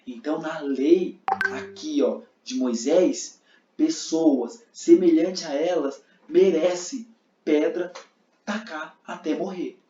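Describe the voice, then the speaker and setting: Guy doing a pushy accuser voice, high and loud, mellow tone in a roomy dull room. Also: slow pace, recorded from a distance, slight background noise. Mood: accusing. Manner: demanding, pressing for an answer. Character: indignant male scribe accusing a woman.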